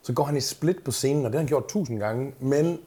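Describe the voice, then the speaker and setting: Chatty man, a coach telling stories. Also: mid-range voice. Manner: lively storyteller, casual swearing, many fillers. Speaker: bodybuilding coach. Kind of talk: casual podcast chat.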